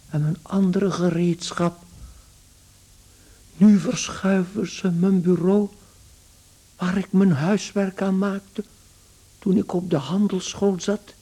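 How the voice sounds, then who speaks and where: A man in a radio play voicing a young salesman turned beetle, anguished and brooding in a husky, hushed inner monologue. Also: sits high, heavily acted.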